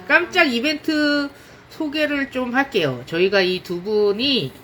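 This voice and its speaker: Female livestream host, upbeat and announcing, with a lively melody. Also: mid-range voice, a little hiss or hum. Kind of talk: casual livestream hosting.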